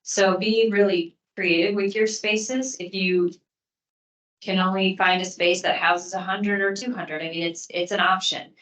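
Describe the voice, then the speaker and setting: A woman's voice: medium pitch, steady tone, a little slow, fairly bright tone, far from the mic. A woman, a city official, explaining plainly at a public contract briefing. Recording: echoey meeting room.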